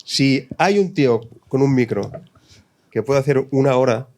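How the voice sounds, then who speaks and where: A man's voice: mid-range voice, measured pace, a little mellow. Sceptical man debating on a panel. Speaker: panel guest. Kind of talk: casual debate.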